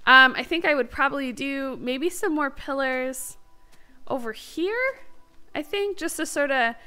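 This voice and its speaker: A woman's voice: high voice, expressive, unhurried, sharp tone. A woman giving casual let's-play commentary as the host of a gaming series, chatty, bubbly and enthusiastic.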